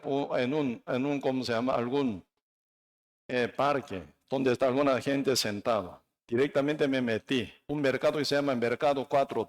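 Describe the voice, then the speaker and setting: A man from Korea preaching a sermon with a Korean accent, non-native and halting in his phrasing, emphatic, with frequent tag questions. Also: mid-range voice. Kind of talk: sermon with personal testimony.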